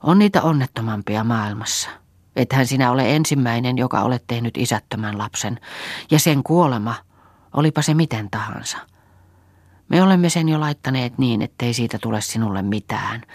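A woman's voice: very deep voice, a little mellow, no room sound. A woman voicing an anxious farmhouse woman who coaxes and soothes in a half-whispered, urging voice. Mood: coaxing worry.

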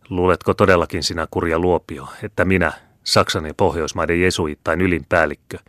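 A man's voice: deep voice, a bit bright, no room sound, studio quality. A man voicing a haughty, domineering older Jesuit superior who speaks in a scornful, commanding way in a storybook reading.

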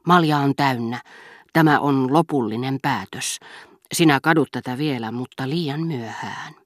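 A woman's voice: extremely low pitch, no room sound. Lady reading a stern jealous young aristocrat, formal and firm, dry sound.

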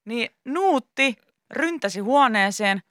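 Lively bright-voiced woman telling a story. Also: a little high, no echo, clean studio sound. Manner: animated storytelling, laughing often. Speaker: radio host. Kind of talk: casual chat. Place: radio studio.

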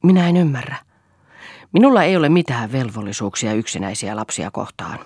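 A woman reading an audiobook, voicing a furious, violent husband who shouts in raging outbursts. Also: extremely low pitch, big pitch swings, breathy edge, no echo, studio quality, full character voice.

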